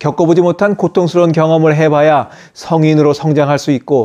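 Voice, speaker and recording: A man talks with fairly even intonation and a moderate pace while the background stays quiet. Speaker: life advice channel host. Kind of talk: lecture-style talk. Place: home room. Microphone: lapel.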